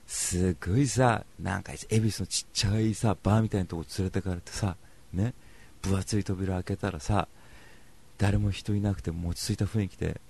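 A man hosting a casual monologue, telling stories in a chatty, animated way and slipping into voices. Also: sits low, creaky. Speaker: podcast host.

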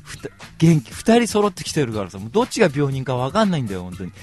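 A man hosting a radio show, telling a comic story in rough, blunt casual speech and retelling it with big exaggeration. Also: mid-range voice, wildly swooping pitch, fast, a little mellow, faint music behind.

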